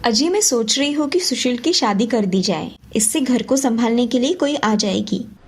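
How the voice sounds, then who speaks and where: A woman voicing a gentle village housewife who softly coaxes her husband, with a breathy tone. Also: on the high side, expressive, moderate pace, faint music behind. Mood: coaxing.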